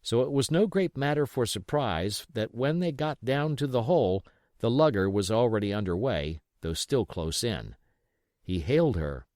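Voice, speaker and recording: A man reading an adventure novel aloud as scripted, expressive, dramatic narration. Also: mid-range voice, moderate pace, dry recording, clean studio sound. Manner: expressive storytelling. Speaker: audiobook reader.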